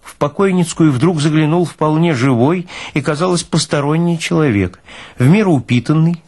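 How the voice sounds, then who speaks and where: A man's voice: medium pitch, darkish tone, breathy edge. A man narrating literary fiction in a dramatic, performed reading style.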